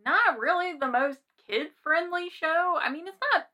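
A woman's voice: extremely high pitch, a little slow, pushed and bright. A young American woman co-hosting a podcast in casual conversation, thinking aloud in an informal, hedging way. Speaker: podcast co-host. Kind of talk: casual chat.

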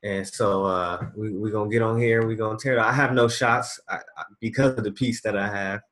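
Co-host, adult man, low voice, easygoing teasing delivery. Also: steady tone, brisk, fairly bright tone. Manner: teasing, easygoing, repeats words. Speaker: podcast co-host. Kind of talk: casual podcast chat.

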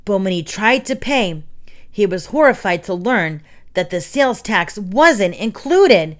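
A woman's voice: mid-range voice, animated, unhurried, close to an everyday voice. A woman voicing a nerdy, earnest boy in a children's story, impatient and easily indignant. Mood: mock spooky.

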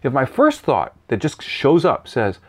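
Animated man coaching on fear. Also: medium pitch, measured pace, slightly rough. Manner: animated, acts out voices and sounds; repeats key phrases for emphasis. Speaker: guest, speaking coach. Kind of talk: interview answering questions.

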